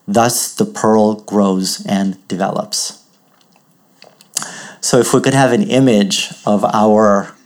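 A man with a somewhat low voice speaks slowly and reflectively, as in a spiritual teaching. He is from Uganda and weighs his words carefully, often pausing as he searches for the right phrase. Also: a little mellow. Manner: thoughtful, measured, pausing to find words.

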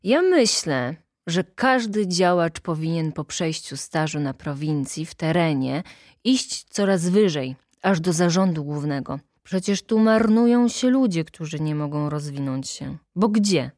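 A woman's voice: deep voice, lively intonation, measured pace, a little mellow, no room sound, clean studio sound. A woman doing a boastful tipsy official. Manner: bluff, showy and persuasive.

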